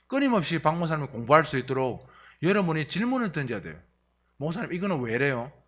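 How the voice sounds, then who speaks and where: Talking at a very fast pace, a man with a fairly high pitch is heard with audible room echo. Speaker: retired pastor. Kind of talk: sermon. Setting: church.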